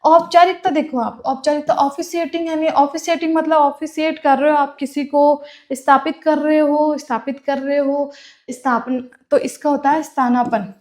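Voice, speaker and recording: High-pitched woman teacher, keeps asking her own questions then answering, repeats each word. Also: fairly even intonation, moderate pace, a little mellow. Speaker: Hindi exam teacher. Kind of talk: classroom lecture.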